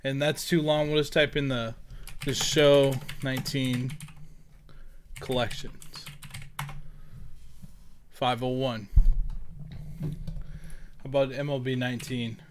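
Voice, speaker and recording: A man's voice: mid-range voice, level tone, slow pace, pauses often, background noise. A man giving a casual, rambling screen-recorded tutorial as a gaming content creator, thinking aloud as he goes. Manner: informal, rambling, thinking aloud while typing. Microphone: headset.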